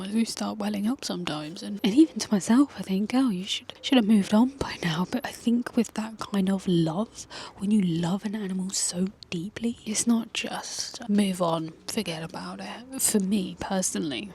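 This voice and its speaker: A woman whispering softly and tenderly as she talks to her viewers, recorded outdoors in a garden. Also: on the low side, a little hiss or hum. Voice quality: soft unvoiced whisper. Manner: gentle, tender, reflective. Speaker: video creator. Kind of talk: whispered ASMR-style personal talk. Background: faint outdoor ambience with bees.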